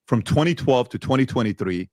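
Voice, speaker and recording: A man's voice: medium pitch, expressive, a little fast, a little mellow, no room sound. A man in his forties gives an emphatic, confident business presentation. His voice sits in the middle of the range, and the recording is dry and close, with no room sound. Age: 40s. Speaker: business owner presenting results.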